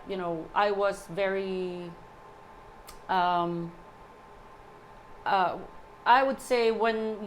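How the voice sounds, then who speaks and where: A woman in her forties, a guest in casual chat, talking in a halting way with repeated words and many "you know"s. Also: medium pitch, slight background noise, poor audio. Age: 40s.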